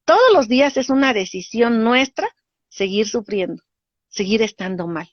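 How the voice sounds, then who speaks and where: A woman, a spiritual teacher explaining ideas in a lively way and acting out little dialogues. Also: fairly high pitch, normal speed, no echo. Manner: animated, acts out voices in dialogue. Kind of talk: teaching talk. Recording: dull lo-fi dry sound.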